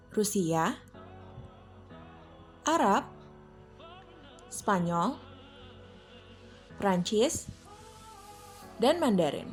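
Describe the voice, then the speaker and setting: A woman's voice: medium pitch, a little mellow. A woman with an Indonesian accent reading scripted documentary narration as the host. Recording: voice-over with music underneath. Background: music.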